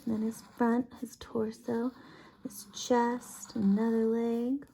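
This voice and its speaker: A woman's voice: on the high side, level tone, takes it slowly, warm tone, slight background noise, poor audio. A woman kindergarten teacher explaining a lesson casually, step by step, in an informal, encouraging way.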